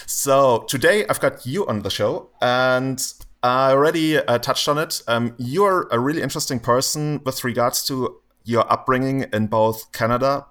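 A man's voice: medium pitch, a bit bright. A male podcast host with a mid-range voice who chats casually with his guest. He laughs easily and often stumbles over his words. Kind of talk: casual interview chat.

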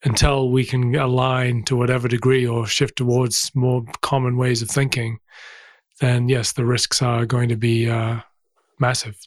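A man's voice: medium pitch, little pitch movement, unhurried, no echo. A man hosting an interview podcast, asking questions in an easygoing, hesitant way with some ums. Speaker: podcast host. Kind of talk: conversational interview.

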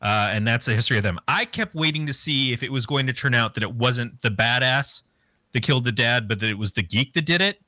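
A man's voice: mid-range voice, fairly quick, sharp tone, no room sound. A man casually recapping a movie plot on a podcast, rambling and joking crudely. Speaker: podcast co-host. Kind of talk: casual movie review chat.

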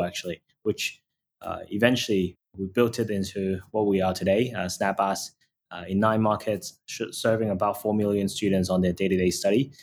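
Male founder in his thirties from Hong Kong, fairly low voice, halting with lots of fillers. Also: a little hiss or hum. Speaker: startup founder guest. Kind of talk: interview answers.

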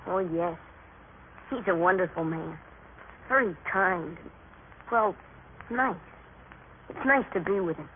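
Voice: medium pitch, animated, takes it slowly, long pauses, phone-quality sound. An actor playing an earnest, respectful young boy, a loyal son, in an old radio drama. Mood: eager, earnest. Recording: noisy, band-limited vintage radio recording.

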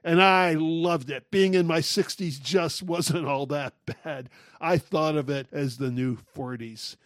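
A man in his sixties hosting a solo talk show, talking in a wry, animated, joking way. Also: fairly high pitch, a little slow, dry recording, clean studio sound. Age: 60s. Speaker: podcast host.

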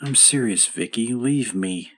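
In an old time radio play, a man acts a middle-aged husband worn down by a bad heart. He talks in a sighing, strained way and turns bitter and despairing. His voice sits at an ordinary pitch for a man. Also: unhurried, lightly acted.

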